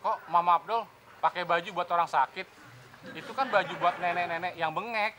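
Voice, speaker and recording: A man's voice: sits high, brisk, background noise, natural voice. A man playing a cheeky young loafer who makes wisecracks in Jakarta slang. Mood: joking. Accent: Jakarta Indonesian. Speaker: sketch comedy actor.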